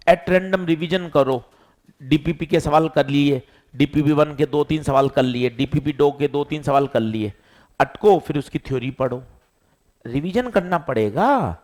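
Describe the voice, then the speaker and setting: Lively physics teacher man. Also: medium pitch. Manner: lively, quizzing students and answering himself. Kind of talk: classroom lecture.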